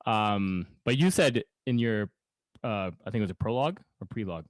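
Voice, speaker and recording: A man's voice: fairly low pitch, lively intonation, brisk, dry recording. A man co-hosting a podcast, asking casual, rambling questions in an informal way. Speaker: podcast co-host. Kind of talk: casual conversational interviewing.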